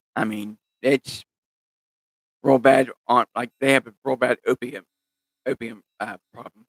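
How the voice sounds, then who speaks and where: At a fairly slow pace with long, frequent pauses, a man with an American accent speaks at a medium pitch, his loudness swinging widely in a dry, close sound with no echo. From West Virginia. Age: 40s. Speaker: podcaster. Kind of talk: casual monologue. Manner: halting, many repetitions; animated.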